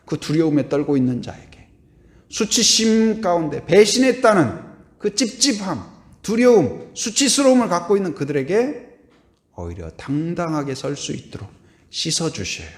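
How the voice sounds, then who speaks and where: Animated preaching man in echoey church. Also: on the high side, moderate pace. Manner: asks the congregation questions and has them repeat lines; swings between hushed and loud delivery. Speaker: pastor. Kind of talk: Sunday sermon. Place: church sanctuary.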